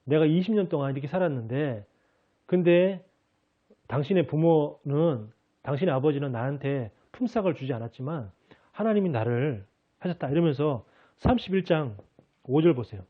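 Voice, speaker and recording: A man's voice: fairly high pitch, expressive, moderate pace. A male pastor preaching a Sunday sermon earnestly, raising his voice as he speaks God's promises. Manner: earnest preaching, acts out God's words in a raised voice. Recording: phone-like narrow sound.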